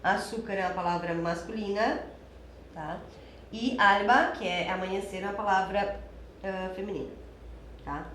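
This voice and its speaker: A woman's voice: mid-range voice, normal speed, long pauses, fairly bright tone, echoey room, a little hiss or hum. A young adult woman teaching Spanish for an exam, explaining step by step in a chatty way and checking in with her students often. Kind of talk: exam-prep lesson.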